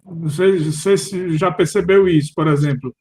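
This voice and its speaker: A man's voice: on the high side, steady tone, moderate pace, a little mellow. Uncertain questioning Brazilian man. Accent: Brazilian Portuguese. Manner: questioning, uncertain, restarts often. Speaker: philosophy study group participant. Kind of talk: casual discussion.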